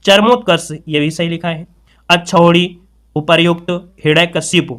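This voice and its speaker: Man, exam-prep teacher, high voice, bright tone, calls viewers friends, stretches words for emphasis. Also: steady tone, normal speed. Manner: explains point by point, keeps addressing the audience as friends; drags out words to stress their spelling. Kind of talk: spoken lesson on Hindi spelling.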